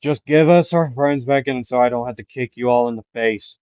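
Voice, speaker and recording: Young male hero, blunt and threatening, played by a man; middle pitch, dull lo-fi recording. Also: brisk, darkish tone, clear, resonant tone, no room sound, natural voice.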